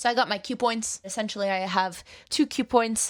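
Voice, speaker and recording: A woman speaks at a fairly quick pace with a fairly high pitch. It is an ordinary speaking voice, recorded with a dry, close sound and no echo. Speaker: DJ and content creator. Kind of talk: casual vlog talk. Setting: home podcast room.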